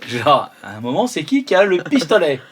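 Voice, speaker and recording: A man's voice: fairly high pitch, very animated, moderate pace. A man playing a tabletop game, chatting and improvising casually, with faint noise in the recording. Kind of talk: casual improvised role-play chat.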